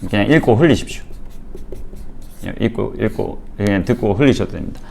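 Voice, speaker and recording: A man's voice: on the low side, brisk, creaky, darkish tone. A man giving a Bible lecture to a church audience, explaining patiently and speaking straight to his listeners with frequent fillers. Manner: explanatory, addresses listeners directly, many fillers.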